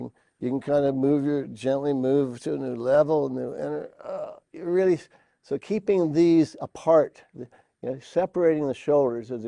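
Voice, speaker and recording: This man has a dark, mellow tone and ordinary pitch variation, speaking at a moderate pace in a dry, close sound with no echo. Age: 70s. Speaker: workshop speaker. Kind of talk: talk to live audience with demonstrations. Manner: animated.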